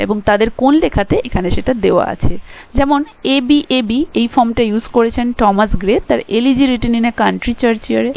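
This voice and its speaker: A woman teacher giving a recorded lecture, reading English lines slowly and then explaining them in Bengali. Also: on the high side, darkish tone, dull audio.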